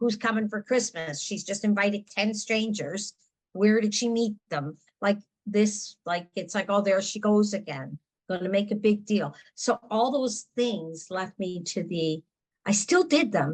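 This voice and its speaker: At a fairly slow pace, a woman with a medium pitch and ordinary pitch variation sounds somewhat breathy in a dry, close recording with no echo. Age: 60s. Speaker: coaching client. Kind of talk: group sharing.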